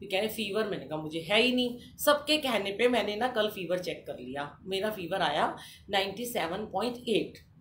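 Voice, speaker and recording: A woman with an animated tone, lively intonation and a somewhat breathy voice, in audible room echo. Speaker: spiritual satsang host. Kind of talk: live satsang talk. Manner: animated, conversational.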